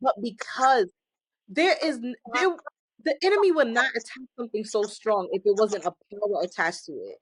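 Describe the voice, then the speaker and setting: A woman speaking with lively, emphatic conviction as she shares her faith, slightly high-voiced and prone to laughter. The recording is dry and close. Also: normal speed, breathy edge, no echo, rough recording. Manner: animated, preachy, laughing, emphatic exhortations. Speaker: podcast guest. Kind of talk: casual testimony-style faith talk.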